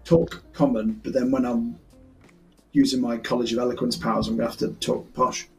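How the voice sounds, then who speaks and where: A man's voice: mid-range voice, flat delivery, fairly quick, vocal fry, darkish tone, husky. A man chatting casually with fellow tabletop players on a stream and telling anecdotes. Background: music.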